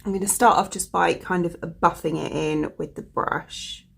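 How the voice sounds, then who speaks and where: A woman with a croaky voice from a cold, chatting casually as a beauty vlogger, rambling with lots of fillers. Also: lowish voice, steady tone, normal speed. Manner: rambling, full of fillers like "like" and "you know". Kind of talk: chatty product review.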